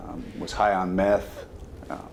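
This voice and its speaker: Deep, flat-toned policeman. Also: measured pace, vocal fry. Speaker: police corporal. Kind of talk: measured interview answers. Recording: noticeable background room noise.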